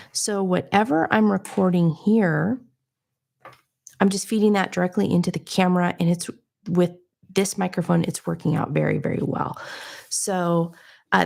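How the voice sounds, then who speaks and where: A soft-spoken woman in her home studio, explaining her audio setup in a conversational, explanatory way. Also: fairly low pitch, creaky. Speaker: audio gear reviewer. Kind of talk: livestream gear demo. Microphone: changing between studio mics.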